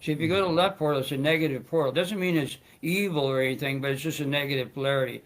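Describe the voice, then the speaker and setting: A man's voice: a little high, very fast. A man hosting his own talk show, speaking in a rambling, stammering way with frequent restarts and joking asides. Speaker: show host.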